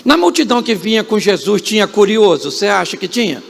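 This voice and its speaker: A man's voice: sits high, big pitch swings, fairly quick, gravelly. A male pastor with a Brazilian Portuguese accent preaching a humorous, dramatic sermon in a church, quizzing the congregation with repeated questions. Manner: dramatic storytelling with sudden rises and drops.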